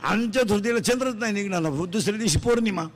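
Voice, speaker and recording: High-voiced man preaching a comic sermon. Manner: quizzes the audience in quick call-and-response; joking, teasing, rustic storytelling. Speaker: kirtan preacher. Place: live religious gathering before an audience.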